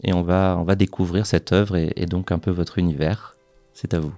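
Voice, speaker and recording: A man's voice: low-pitched, steady tone, normal speed, mellow, soft background music. A man hosting a radio interview, asking questions in a polite, conversational way.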